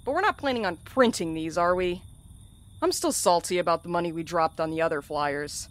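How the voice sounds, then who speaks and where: A woman's voice: on the low side, expressive, fairly quick, close to an everyday voice. A woman acting in a fiction podcast as a sardonic, blunt courier with a dry, slangy, wisecracking way of talking. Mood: wry. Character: sardonic, blunt, irreverent courier and loyal friend.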